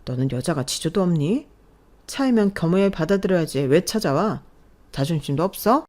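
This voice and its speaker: A woman's voice: fairly low pitch, expressive, normal speed, darkish tone. A woman voicing a scheming, defensive young man, a sneering ex-fiancé in a storybook drama. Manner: sneering, contemptuous.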